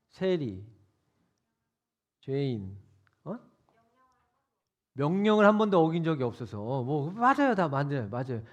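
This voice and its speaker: A male youth pastor preaching in a church sanctuary. He keeps it casual and interactive, tossing questions to the teens. His voice sits high and moves around a lot. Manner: conversational, quizzing listeners.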